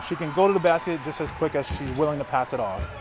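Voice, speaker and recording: Noticeable background noise sits behind a man with a fairly high pitch. He talks at a very fast pace with ordinary pitch variation. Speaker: high school basketball coach. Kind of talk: interview. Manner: loud.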